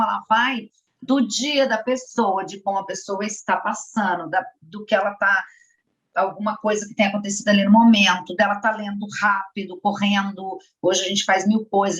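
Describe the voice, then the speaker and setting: A woman in a casual study group discussion, talking in an expressive, chatty way. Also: medium pitch, rough recording. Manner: expressive, self-described exaggerated, chatty.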